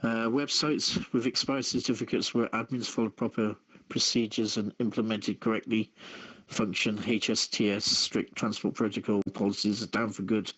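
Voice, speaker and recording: A man hosting a live online radio show and reading out copy in a halting way, stumbling over his words. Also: fairly low pitch, steady tone, a bit bright, slightly rough, low-quality recording.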